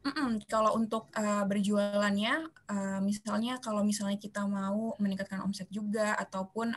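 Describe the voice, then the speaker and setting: A woman speaking in a webinar about seller rules, pausing often on fillers as she explains. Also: medium pitch. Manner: hesitant, many "em" and "eh" fillers. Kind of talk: webinar presentation.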